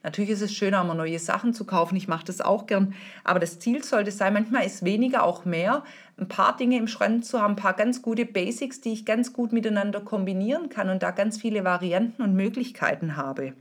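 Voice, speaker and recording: A woman's voice: medium pitch, brisk. A middle-aged woman hosting a podcast as a style consultant, explaining in a chatty, informal way with many fillers and restarts. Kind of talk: casual explanatory podcast talk.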